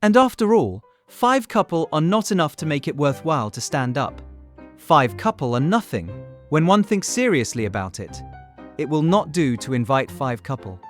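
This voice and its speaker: An actor playing an eager, gallant young gentleman, smooth and persuasive, in an audiobook period drama. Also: on the high side, very animated, moderate pace, soft background music. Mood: reasoning. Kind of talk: audiobook full-cast period drama acting.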